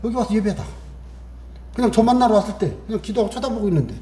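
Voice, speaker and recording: A middle-aged pastor delivers an energetic Sunday sermon in a high-pitched, racing voice that sounds roomy. He questions the congregation and performs the voices of characters in his stories.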